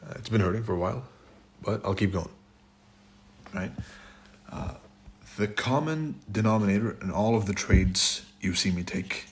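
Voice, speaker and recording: Hoarse low-voiced man lecturing bluntly. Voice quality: raspy. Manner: blunt, repeats "right?" and "it's your fault". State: hoarse, sore throat. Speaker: trading instructor. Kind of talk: lecture over slides.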